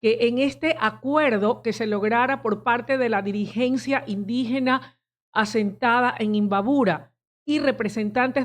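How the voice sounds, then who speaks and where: A woman hosting a radio interview, asking formal, courteous questions with small hesitations. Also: on the high side.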